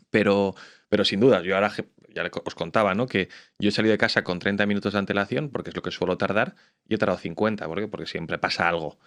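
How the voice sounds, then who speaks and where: A man hosts a podcast interview and asks long, meandering questions full of restarts. His voice sits on the low side. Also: fairly bright tone. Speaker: podcast host. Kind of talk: conversational interview.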